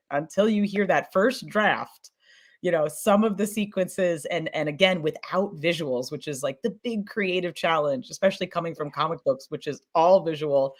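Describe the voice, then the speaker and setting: Enthusiastic woman in casual panel talk. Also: low-pitched. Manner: enthusiastic, emphatic, informal. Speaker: scripted fiction podcast creator and panelist.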